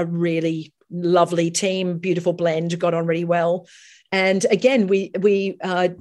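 Woman guest, professional singer from Australia, animated storyteller with lots of restarts. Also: lowish voice. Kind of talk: casual interview chat.

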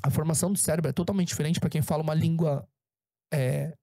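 A man's voice: a little high, steady tone, fast, vocal fry, warm tone, dry recording, studio quality. A man, an actor, chatting casually as a guest, often restarting his words. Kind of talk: casual conversation.

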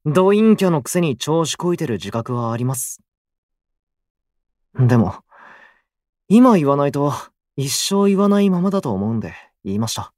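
An actor playing a gloomy, prickly, self-deprecating young station worker in a voice drama, with blunt, grumbling delivery. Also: male voice, on the high side, sing-song, normal speed, long pauses, a little mellow, no room sound, studio quality. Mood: awkwardly frank. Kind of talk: Japanese voice drama acting.

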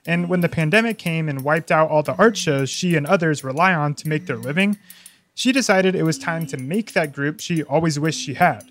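A man narrating a news feature as a reporter, steady and measured. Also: a little high.

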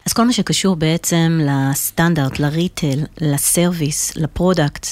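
A woman's voice: low voice, fairly even intonation, darkish tone, dry recording. A woman speaking Hebrew with a slight French-sounding lilt, giving emphatic, businesslike answers as an interview guest. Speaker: marketing executive, interview guest.

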